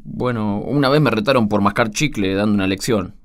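A man's voice: lowish voice, brisk, lightly acted. A man with an Argentine accent acting a defensive, hesitant teenage school pupil in a radio drama. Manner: hesitant, self-justifying. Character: defensive male secondary school pupil, naive and apologetic.

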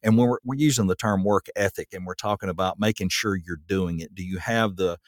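A man's voice: sits low, a little fast, no room sound, clean studio sound. A man hosting a podcast, chatting casually in a rambling way with plenty of fillers. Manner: rambling, relaxed, lots of fillers. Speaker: podcast host. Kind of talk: casual chat.

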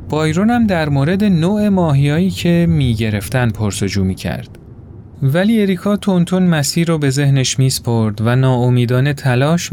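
A man narrating a story in an expressive, acted-out way. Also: a little high, a little hiss or hum. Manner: expressive, voices characters.

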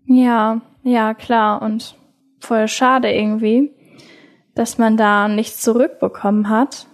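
A woman hosting a faith podcast interview, asking gentle, encouraging questions in a casual tone. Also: fairly high pitch, fairly even intonation, slow pace.

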